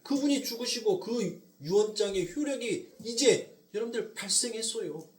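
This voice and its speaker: A male pastor with a Jeolla accent preaching a sermon, swinging from loud emphasis to near whispers and slowing down on key points. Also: high voice, lively intonation, echoey room, far from the mic. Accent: Jeolla Korean. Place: church sanctuary.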